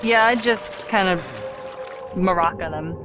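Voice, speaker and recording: A woman's voice: lowish voice, a little slow. A woman hosting a let's play with casual, joking commentary and some offhand swearing. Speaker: let's play host, playing the game. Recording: voice over game music. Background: game music.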